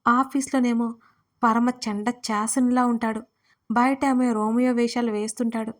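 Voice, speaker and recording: A woman tells a first-person audio story in a lively, dramatic manner. Her voice sits a little high. She carries both the narration and the heroine's lines. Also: moderate pace.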